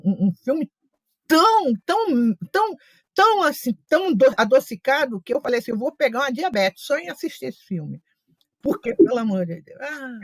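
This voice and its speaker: A woman's voice: high-pitched, breathy edge, no echo. A woman leading a study group, teaching in a chatty, story-filled way with asides and quoted remarks. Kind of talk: casual teaching talk.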